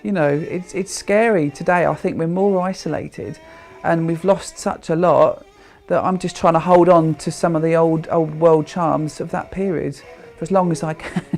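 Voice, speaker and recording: A man's voice: on the high side, fairly even intonation, normal speed, vocal fry, a little mellow, soft background music. A man of thirty-five with a British accent, chatting informally and hesitantly in an interview, with old-fashioned turns of phrase. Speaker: interviewee, history enthusiast. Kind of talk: informal interview while showing his home.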